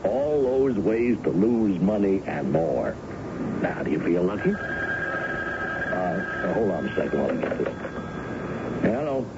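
A man's voice: low-pitched, sing-song, slow, pauses often, heavily acted. An actor playing a genial middle-aged company boss and indulgent father in a radio drama, with a folksy, sometimes hesitant manner. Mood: genial, teasing. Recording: dull, noisy vintage radio broadcast.

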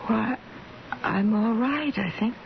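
An actress playing a gravely ill, wistful and tender wife in a 1970s radio drama, speaking in a halting, dreamy way. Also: female voice, fairly high pitch, background noise. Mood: weak, tender. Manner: slow, halting, dreamy delivery. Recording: muffled old radio broadcast, music behind.

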